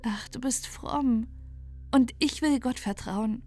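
A gentle young wife from a storybook speaks earnestly, with a high, light voice, as a woman reads her part. Quiet music plays faintly behind. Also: slow. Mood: gentle, grateful.

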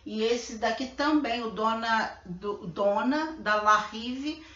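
A woman's voice: on the high side, slow, sharp tone, a little hiss or hum. A woman in her fifties from Brazil, chatting casually to her laptop camera at home as a beauty vlogger. She repeats words and often adds little tag questions. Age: 50s. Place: living room at home, indoors. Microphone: laptop webcam. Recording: roomy, dull lo-fi webcam sound.

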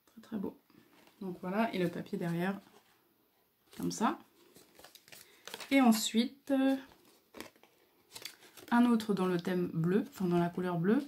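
A woman hosting a casual craft video, talking hesitantly with many fillers and pauses as she admires what she shows. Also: mid-range voice, slight background noise. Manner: admiring, soft-spoken. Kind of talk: casual show-and-tell.

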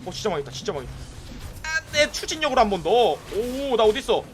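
Young male game streamer with a high, lively, swooping delivery. Excitable, breaks into shouts at teammates, and chats with viewers between plays. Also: quick pace, soft background music. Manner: excitable, yelling bursts at teammates, chatting to viewers. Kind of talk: live gameplay commentary.

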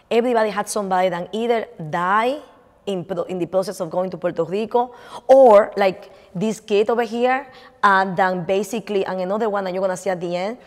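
A middle-aged woman with a Dominican Spanish accent, a native Spanish speaker, giving a chatty artist lecture full of restarts and fillers in a lecture room. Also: medium pitch. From Dominican Republic. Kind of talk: lecture on her art. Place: lecture room in front of a projected slide. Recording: lecture hall reverb.

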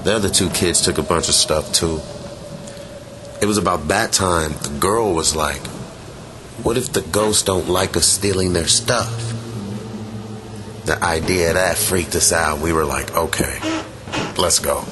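A man's voice: unhurried, long pauses. A man reading a first-person ghost story in a laid-back, matter-of-fact, conversational way. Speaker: guest reader of a listener's story. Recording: clearly noisy, vehicle-like background rumble.

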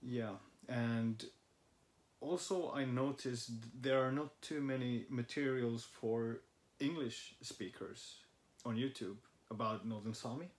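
His voice is medium-pitched and slow. He's a young native Finnish speaker from Finland, casually chatting on a language-study vlog from his living room sofa and using fillers while thinking out loud, captured by a camera set before the couch.

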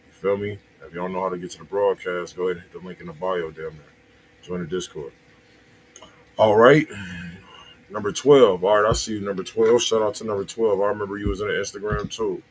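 Speaking to his viewers directly, this American music review livestream host in his thirties keeps the talk conversational and full of slang. His low voice stays steady and brisk, recorded indoors in a small room with noisy livestream sound.

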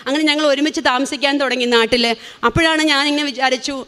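A woman's voice: high-pitched, steady tone, fast talker, fairly bright tone. A woman in her forties with a Malayali accent, giving an earnest, emotional religious testimony. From India. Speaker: testimony speaker.

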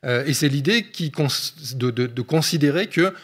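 A man's voice: on the high side, moderate pace, a bit bright, husky. A man, an economist guest on a discussion show, explaining at length with frequent hesitation fillers.

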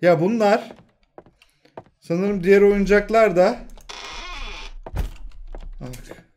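A young man commenting on a horror game he plays, talking to himself and the game, muttering low and breaking into frightened yells, his throat strained from shouting. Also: extremely slow, a little hiss or hum. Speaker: gaming channel host.

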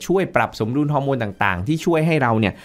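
A man who is a nutrition expert, talking as a guest on a podcast. He explains things in a loose, lecturing manner and drops English technical terms into his speech. His voice sits at a medium pitch. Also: big pitch swings, fast. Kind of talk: explanatory interview talk.

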